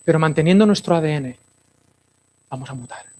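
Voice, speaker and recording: A man, a pastor preaching a lively, playful sermon to a congregation, with sudden drops to hushed intensity. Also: on the high side, brisk. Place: church hall, in front of a congregation.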